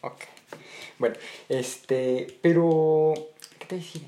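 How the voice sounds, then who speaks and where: A man's voice: fairly high pitch, fairly even intonation, slow, dark tone. A man with a Mexico City accent hosting a podcast, rambling and joking, often losing his train of thought. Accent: Mexico City Spanish. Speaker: podcast host. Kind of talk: casual chat.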